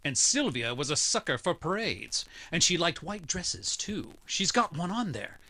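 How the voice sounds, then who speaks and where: An actor playing an insistent, lovesick rich client in an old-style noir radio drama, pleading and emphatic. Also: male voice, a little high, sing-song, unhurried, sharp tone, exaggerated voice. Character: desperate, lovesick self-made rich male client.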